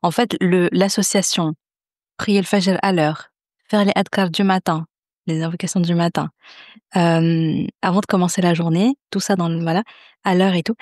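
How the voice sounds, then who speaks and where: A woman's voice: lowish voice, fairly even intonation, moderate pace, a little mellow, dry recording, clean studio sound. A woman hosting a podcast in a casual, conversational interview style. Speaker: podcast host.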